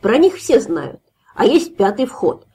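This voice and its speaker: A woman's voice: a little high, sing-song, measured pace, warm tone, breathy edge, heavily acted. A woman voicing a drunken, boastful, hairy male guard in an audiobook fairy tale, with slurred, taunting speech. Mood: loud swaggering.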